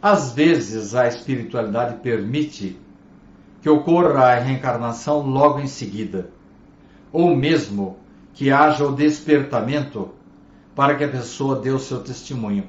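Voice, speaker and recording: A man talks fairly slowly at a medium pitch with ordinary pitch variation. His voice is somewhat breathy, and he leaves long, frequent pauses. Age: 70s. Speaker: spiritist speaker and show host. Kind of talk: live Q&A program. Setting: broadcasting alone from home.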